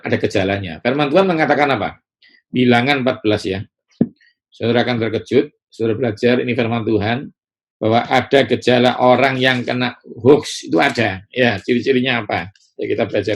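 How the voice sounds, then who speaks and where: Man, preacher, sermon, gravelly voice, middle pitch, lively delivery, acts out voices. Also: brisk.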